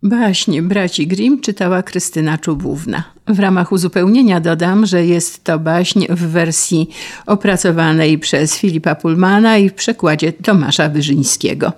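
A radio announcer giving brisk, informative notes between stories. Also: mid-range voice.

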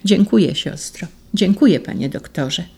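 A reader voicing a gentle young boy who grieves tenderly at a hospital deathbed. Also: mid-range voice, animated, moderate pace, creaky, breathy edge. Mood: tender grief.

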